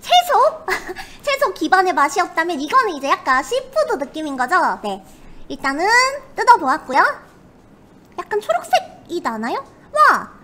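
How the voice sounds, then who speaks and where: Female livestream host, girlish and very high, bright, polite and perky snack reviewer. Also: big pitch swings, moderate pace. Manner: polite, perky, refers to herself by name. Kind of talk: casual livestream commentary.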